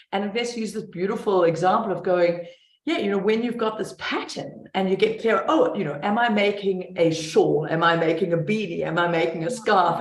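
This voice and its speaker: Against noticeable background noise, a woman talks at medium pitch and a moderate pace with ordinary pitch variation. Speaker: financial educator. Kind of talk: interview.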